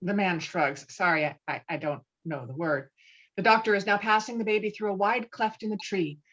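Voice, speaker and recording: A woman's voice: medium pitch, a little fast, a bit bright. A woman reading scripted stage directions as narrator at a table read, slightly muffled as on a video call.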